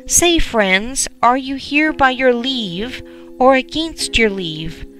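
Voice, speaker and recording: A kindly little bumblebee from a storybook, as a woman reader puts it on, friendly and plain-spoken. She speaks slowly and brightly. Light music plays behind. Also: high-pitched, animated, pitched above the performer's own voice, heavily acted. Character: kindly little humble bee, helpful.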